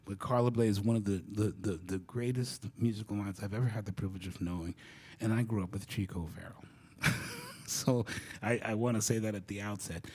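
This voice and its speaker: A middle-aged man giving a storytelling talk, animated and acting out the people he quotes. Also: on the low side, fairly quick, slightly rough. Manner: animated, acts out quoted voices. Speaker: guest speaker. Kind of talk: storytelling lecture.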